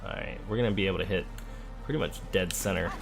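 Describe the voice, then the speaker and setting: A man's voice: deep voice, quick pace, creaky. A man hosting a let's play, thinking aloud in casual, conversational game commentary. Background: game music.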